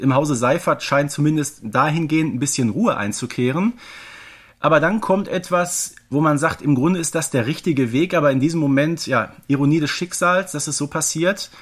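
A man's voice: a little high, fairly bright tone. A man co-hosting a podcast in a conversational, analytical way, emphatic and fond of rhetorical questions. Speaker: podcast co-host.

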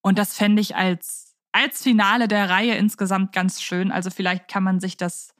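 A woman's voice: medium pitch, steady tone, normal speed, no echo. Enthusiastic woman podcaster, close dry sound. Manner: enthusiastic, chatty. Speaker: podcast co-host. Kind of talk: casual fan podcast chat.

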